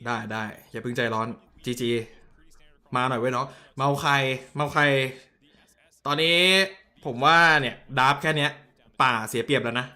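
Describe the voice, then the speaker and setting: A man streaming himself watching a match, commenting casually in a blunt, excitable way with crude slang and answering viewer messages. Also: mid-range voice, moderate pace.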